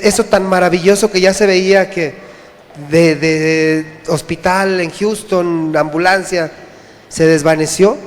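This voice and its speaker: A man from Mexico gives his testimony before a congregation, earnest and halting, stumbling over and repeating his words. His voice sits high for a man. It rings out with the long echo of a church hall. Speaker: church member giving testimony. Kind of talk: personal testimony.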